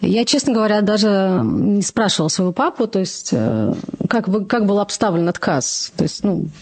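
A woman in her forties from Moscow, a journalist guest talking in a measured, thoughtful way with many pauses. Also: mid-range voice, animated, a little mellow. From Russia. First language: Russian. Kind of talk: casual conversation.

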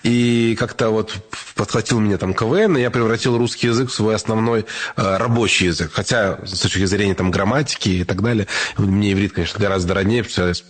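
A man's voice: on the low side, fairly even intonation, quick pace. A man hosting a podcast, asking questions and joking in a casual conversational way. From Israel. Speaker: podcast host.

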